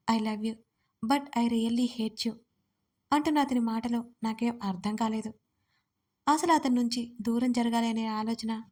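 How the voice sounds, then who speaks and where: Female storyteller, higher voice held flat and even, first-person romance narration, steady reader's pace. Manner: narrates as the heroine, speaking her own lines in quotes.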